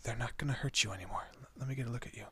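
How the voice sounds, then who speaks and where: Man playing a husky, intense protective monster. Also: medium pitch, very fast. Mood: gentle, worried. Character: protective male monster, menacing to foes, tender to his human. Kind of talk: dramatic horror roleplay audio.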